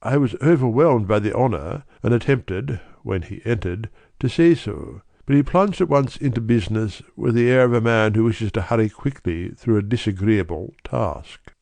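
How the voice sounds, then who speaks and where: A man's voice: fairly low pitch, expressive, normal speed, gravelly, few pauses, darkish tone, no room sound. A man voicing a distraught, dignified middle-aged banker pleading his case earnestly. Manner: agitated, earnest, breathless pleading.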